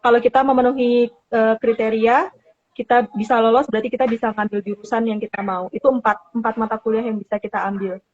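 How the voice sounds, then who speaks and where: A woman from Papua, Indonesia, talking as an interview guest in a casual chat, halting and mixing in English words. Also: a little high, steady tone, narrow, tinny audio.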